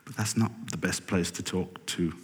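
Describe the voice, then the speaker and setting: A man's voice: low-pitched, moderate pace. A man giving a conference talk to an audience, rambling and correcting himself, with wry asides. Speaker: podcast producer giving a talk. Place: lecture hall with audience. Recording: reverberant hall.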